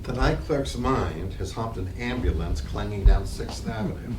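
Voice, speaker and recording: A man's voice: lowish voice, big pitch swings, normal speed. A man reading out stage directions as scripted narration in a live dramatic reading. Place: library reading room, live reading. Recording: distant, echoey, noisy room.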